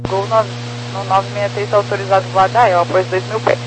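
A man's voice: high voice, level tone, fairly quick. A man working as an air traffic controller directs flights in clipped procedural phrases over crackly radio. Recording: humming, noisy radio transmission.

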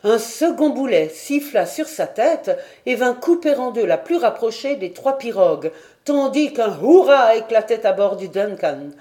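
A woman's voice: on the high side, sing-song, measured pace, mellow. A woman narrating a classic adventure novel as an audiobook, reading expressively and dramatically. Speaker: audiobook reader.

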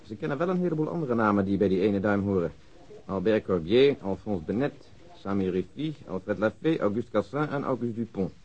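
An actor playing a polite, dry, methodical police detective with a businesslike manner in a radio drama. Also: male voice, on the low side, animated, a little fast, darkish tone. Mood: brisk, businesslike. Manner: businesslike, unruffled. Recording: dull lo-fi old radio recording.

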